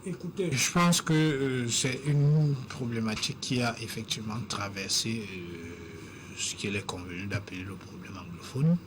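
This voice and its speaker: A man on a TV panel, speaking in a measured, deliberate way with frequent pauses and fillers. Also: on the low side, background noise. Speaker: panel guest. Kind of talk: measured TV debate.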